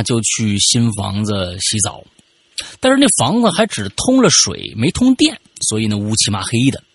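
A man hosting a podcast, telling a personal story casually, animated and stammering when excited. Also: medium pitch, breathy edge, dry recording.

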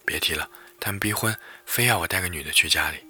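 A man's voice: low voice, quick pace, bright, forceful tone, faint music behind. A man voicing an arrogant, impatient young man who bosses people around with rude, mocking talk.

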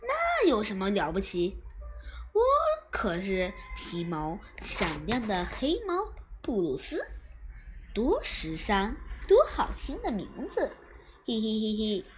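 A woman's voice: medium pitch, huge pitch swings, slow pace, slight background noise. A woman voicing a vain male black cat who shows off, snickers and stammers when rattled. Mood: vain teasing. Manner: showy, sniggering, stammers when flustered.

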